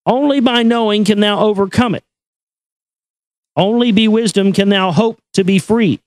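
A man giving a solemn, measured reading of an esoteric text in an incantatory, deliberate manner. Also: sits high, no echo. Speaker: reader and commentator. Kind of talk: solemn recitation of an esoteric text with brief asides.

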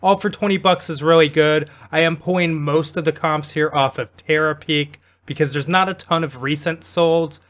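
A man's voice: a little high, steady tone, moderate pace, hardly any pauses. Chatty young man talking resale prices. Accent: Midwestern American. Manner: chatty, thinking out loud about prices. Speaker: reseller vlogger. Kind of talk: casual vlog commentary. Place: outdoors at garage sales. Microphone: action camera.

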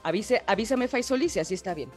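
A woman's voice: mid-range voice, animated, quick pace, a little mellow, soft background music. A woman with a Mexican accent co-hosting a casual talk show, gossiping in slang and calling her listeners brothers. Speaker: co-host. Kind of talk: casual political gossip chat.

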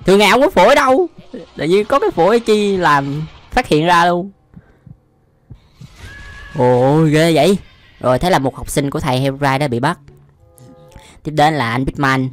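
This young YouTube host speaks at a moderate pace in a fairly high, expressive voice, leaving long pauses between his casual, exclamation-filled reactions. He's often amused by what he sees, and music runs in the background.

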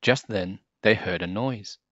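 Guy reading a kids picture book, lowish voice, takes his time, bit muffled recording. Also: a little slow, fairly bright tone, dry recording. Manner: addresses young listeners, acts out characters. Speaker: storybook reader for children. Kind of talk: expressive children's read-aloud narration.

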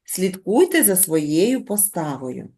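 Middle-aged woman teacher, bouncy lively voice, patient slow dictation for little kids. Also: fairly low pitch. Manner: patient, drawn-out dictation to young children. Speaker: primary school teacher. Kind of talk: classroom lesson.

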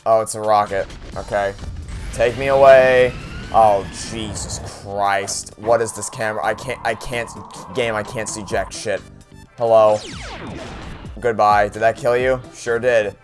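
A man's voice: on the low side, steady tone, a little slow, soft background music. A young man giving sarcastic, exasperated commentary while playing a video game, swearing and complaining often. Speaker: let's play host. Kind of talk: profane frustrated gameplay commentary.

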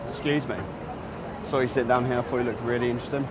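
A man, chatting casually in a hesitant, halting way. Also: medium pitch, flat delivery. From England. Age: 30s. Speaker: coaching client. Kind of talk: casual conversation. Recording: clear background noise of busy places.

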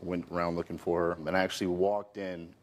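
A man's voice: low-pitched, level tone, quick pace. A man in his thirties, the plaintiff on a courtroom show, telling his story in an earnest, aggrieved way with lots of "you know.". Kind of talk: courtroom testimony. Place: TV courtroom set.

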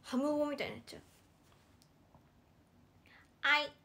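A woman's voice: high-pitched, little pitch movement, unhurried, bright, forceful tone. A young woman chatting casually on a live stream, giggling and thanking viewers one by one.

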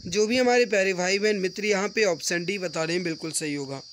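A man teaching an exam-prep mock test online, reading out questions and answers briskly and addressing viewers as friends, often repeating himself. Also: high-pitched, a bit bright. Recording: rattling wind noise in the background. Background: wind noise from a storm outside.

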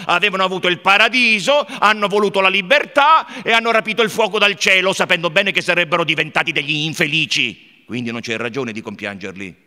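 A male actor doing a brooding young intellectual who argues fervently, his bright, ringing voice leaping up and down in pitch as he declaims. The theatrical literary reading sounds out through a long, echoing hall reverb. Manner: declamatory, fervent, swings from hushed to shouted. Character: impassioned brooding young man arguing with his brother. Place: theatre stage before an audience.

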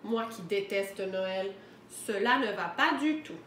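A woman's voice: medium pitch, animated, measured pace, a bit bright, reverberant, a little hiss or hum, pitched below the performer's own voice. A woman voicing a fussy big black male wolf who keeps exclaiming in dismay at his own look, for a storybook. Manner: exclaiming, dramatic complaints.

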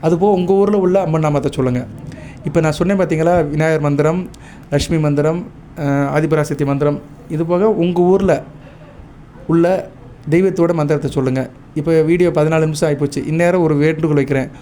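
A man with a Tamil accent giving devotional advice to viewers, measured and instructive, stopping often to check that listeners follow. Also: fairly high pitch, a little hiss or hum. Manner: chants mantras and praise lists in a steady recitation. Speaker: astrologer.

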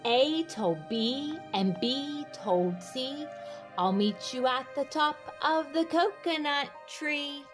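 A woman reads a children's book aloud in a fairly high voice. Her delivery is very unhurried and sing-song, with expressive phrasing aimed straight at young kids. Light music plays along.

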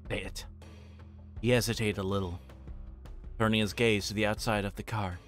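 Low-voiced man on a livestream. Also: steady tone, moderate pace, faint music behind. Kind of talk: casual livestream chat and reading visual novel text aloud.

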